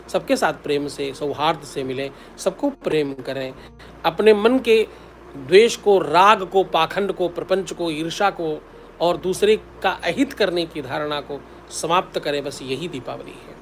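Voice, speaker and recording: A man's voice: fairly high pitch, slight background noise. A man, a spiritual teacher, giving devotional advice in an instructive way, repeating the key steps and intoning mantras.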